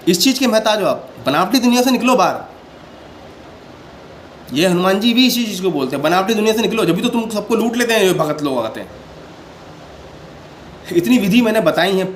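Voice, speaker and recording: A man hosting a devotional channel, talking casually and earnestly to his viewers and defensively explaining himself at length, sitting indoors and recording on a handheld phone. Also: high voice. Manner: often repeats "ठीक है" to check in with listeners. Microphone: handheld phone without stand. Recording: echoey room with faint background noise.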